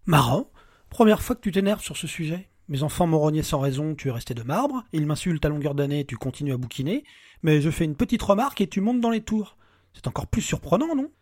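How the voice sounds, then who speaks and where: An obsessive, bitter husband who keeps hammering at his wife with accusations, read by a man. The voice sits a little high and sounds dry and close, with no room around it. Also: expressive, brisk, no echo. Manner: accusing, pressing, grows shouting.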